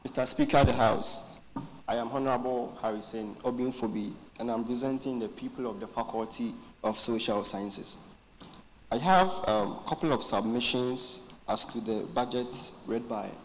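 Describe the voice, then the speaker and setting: A man's voice: mid-range voice, normal speed, slight background noise. Young Ghanaian man in a reverberant hall. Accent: Ghanaian English. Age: young adult. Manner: formal, ceremonial. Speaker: faculty representative. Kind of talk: formal parliament address.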